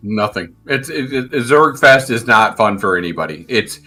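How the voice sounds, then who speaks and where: A man's voice: medium pitch, animated, normal speed, sharp tone, faint music behind. A man from Chicago with a Chicago accent, chatting bluntly and profanely about an online game as a guest on a stream. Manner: blunt, profane, laughs easily. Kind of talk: casual gaming chat.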